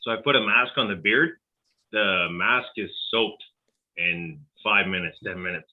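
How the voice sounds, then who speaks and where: A man's voice: on the low side, unhurried. A man in his forties from Canada, chatting casually in a rambling, self-deprecating way, with a dusty cough in his throat. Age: 40s. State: coughing, sore lungs from dust. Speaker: host. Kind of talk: casual chat. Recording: tinny phone-like call audio.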